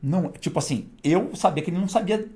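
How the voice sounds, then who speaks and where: A man, a guest telling stories in a casual, animated way and laughing between them. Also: high-pitched, fast. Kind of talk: casual storytelling.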